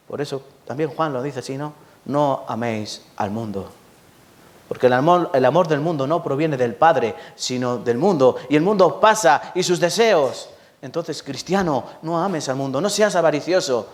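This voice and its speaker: A Spanish pastor preaches a Sunday sermon, his voice sitting a little high for a man. He repeats words for emphasis and throws questions to the congregation, with frequent laughs. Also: animated, normal speed. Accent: Spain Spanish. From Spain. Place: church.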